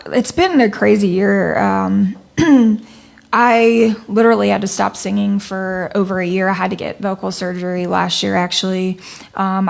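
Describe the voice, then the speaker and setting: A young adult woman singer, a guest chatting casually in a music studio, soft-spoken and hesitant with lots of fillers. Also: medium pitch, creaky. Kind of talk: casual interview chat.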